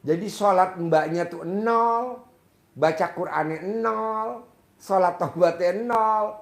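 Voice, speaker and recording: A man in a casual counseling talk, speaking directly to a woman and acting out sample prayers. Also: sits high. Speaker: spiritual advisor. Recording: echoey room.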